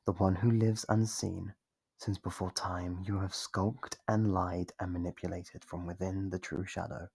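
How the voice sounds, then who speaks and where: Breathy, creaky-voiced devoted cultist, acted out in ASMR. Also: low voice, a little mellow, no echo, heavily acted. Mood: solemn incanting. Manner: earnest, hesitant stammering, theatrical. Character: devoted, nervous, lovestruck young cultist worshipper, obsessive and earnest. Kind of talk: ASMR audio roleplay, dramatic monologue.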